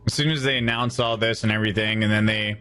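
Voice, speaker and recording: A man with a low voice rants casually to the camera, flat and low in energy, with a deflated tone. He swears freely, and faint music plays under his voice. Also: fast talker, smooth. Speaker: video creator in a played clip.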